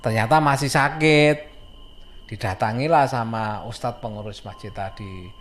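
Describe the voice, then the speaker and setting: A man's voice: mid-range voice, a little slow, a bit bright. Rambling man telling a story. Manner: rambling, many fillers and self-corrections. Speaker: storyteller recounting a childhood event. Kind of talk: casual spoken horror storytelling.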